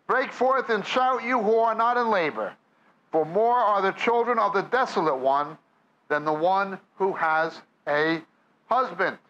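A man with a New York accent and a high-pitched, fairly bright voice preaches a sermon a little slowly, reading scripture aloud and then explaining it. As a Bible teacher, he speaks to a live audience in a church or meeting hall, and the recording sounds muffled.

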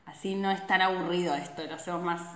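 A woman's voice: on the low side, fast, slight background noise. Argentine woman chatting in echoey room. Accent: Argentine Spanish. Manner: chatty, frequent tag questions, animated hand gestures. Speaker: Ayurveda doctor hosting a live stream. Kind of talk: casual live-stream talk to viewers. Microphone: phone camera at arm's length.

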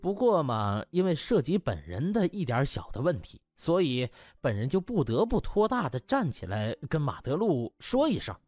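A man's voice: on the high side, sing-song, moderate pace, hardly any pauses, darkish tone, no room sound. A man voicing a cheeky young male doctor in an audiobook, smug, mock-polite and wheedling. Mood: mock-humble. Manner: mock-polite, wheedling, chuckling colloquial talk.

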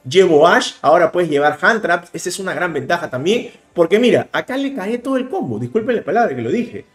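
A man in his thirties with a Peruvian Spanish accent walks through a card game replay, animated and quick to stress each move. His voice sits a little high for a man. The sound is roomy, with faint music underneath. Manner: animated, explaining plays rapidly with bursts of emphasis. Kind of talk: casual gameplay commentary. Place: indoor room, webcam overlay.

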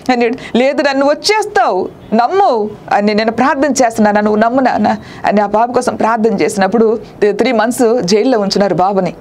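A woman's voice: fairly high pitch, a little mellow, slight background noise. A middle-aged woman preacher giving an emotional testimony sermon in a TV studio, fervent, with repeated hallelujahs and tearful prayers. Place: TV studio set.

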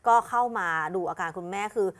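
A woman co-anchoring a morning news show, chatting animatedly and speaking straight to viewers. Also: fast. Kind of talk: conversational news chat.

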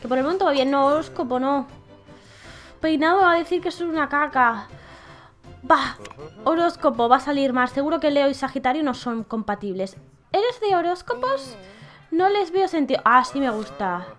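Young woman gamer, very high, bouncy delivery, playful put-on voices, faint music behind. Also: lively intonation, moderate pace, a bit bright. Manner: reads game dialogue aloud in playful put-on voices. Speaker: gameplay video creator. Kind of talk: playful gameplay commentary.

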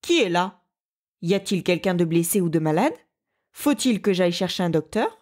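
A woman's voice: lowish voice, lively intonation, normal speed, a little mellow, lightly acted. A woman voicing a big, gullible male bear who scares easily, with fussy, nervous exclamations. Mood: worried.

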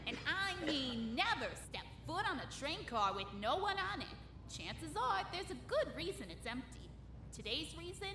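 A woman playing a bossy, streetwise host of a comedic radio survival guide, sassy, theatrical and tough-talking. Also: high voice. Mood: teasing. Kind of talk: comedic audio drama acting.

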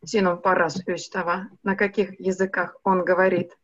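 A young woman teaching a language over a video call, speaking slowly and patiently and switching between two languages. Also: lowish voice, flat delivery, no room sound. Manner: slow, patient, switches between Russian and Finnish. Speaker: online Russian teacher. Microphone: video call webcam mic. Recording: muffled, dry video call audio.

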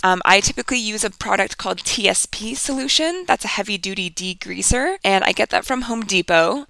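A woman's voice: mid-range voice, creaky, sharp tone, dry recording. A woman hosting an instructional podcast solo, talking in a chatty, informal and encouraging way. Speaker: podcast host and DIY furniture refinisher.

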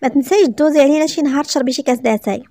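A woman's voice: high-pitched, racing, dark tone, dry recording, studio quality, natural voice. A woman voicing a bold, breezy young woman customer in a read-aloud story.

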